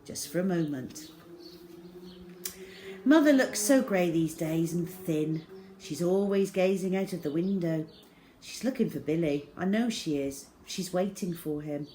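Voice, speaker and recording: A woman reading a children's book aloud as an expressive storyteller, with measured, dramatic phrasing. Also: fairly low pitch. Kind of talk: expressive storytelling, scripted narration. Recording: clear background noise.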